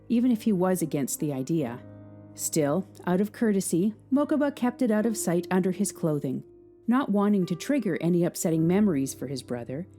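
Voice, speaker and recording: A woman reads a dramatic story aloud, with a mellow, darker tone. Her delivery is measured and scripted, and it leans into tense moments. Faint music plays underneath. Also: fairly low pitch. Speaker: narrator.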